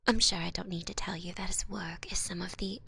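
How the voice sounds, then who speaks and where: A woman voicing a little old goblin swindler in an ASMR roleplay, with a breathy, gravelly voice and folksy, wheedling patter. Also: on the low side, steady tone, a little fast, pushed and bright, heavily acted. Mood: wheedling, sly. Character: cute little old goblin swindler, smooth-talking, slyly menacing.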